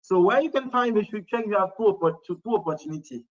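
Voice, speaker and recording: A man's voice: high-pitched, animated, lo-fi sound. A man presenting a webinar, walking viewers through a website step by step, with frequent restarts and fillers, speaking English as a second language. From Morocco. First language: not English. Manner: halting, many restarts and fillers. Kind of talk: screen-share demo talk.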